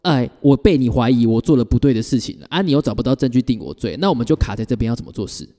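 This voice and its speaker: A man with a mid-pitched, mellow voice that swings widely in pitch reacts bluntly, with mild swearing, to his co-host's story. His words ring with a long reverb. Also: expressive, rapid-fire. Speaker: podcast co-host. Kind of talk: casual chat.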